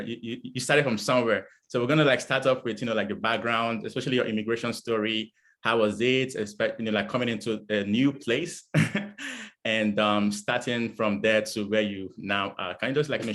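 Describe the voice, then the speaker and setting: A man hosts an interview in a casual way. He rambles through his questions and piles on "you know" and "um" fillers. His voice sits fairly low in pitch. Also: a bit bright. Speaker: interview host.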